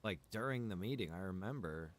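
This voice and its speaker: A man with a fairly low voice thinks aloud in a casual, puzzled mutter. He talks to himself like a streamer at his computer, with some noise behind him. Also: animated, fairly quick. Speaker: game streamer. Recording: clear background noise.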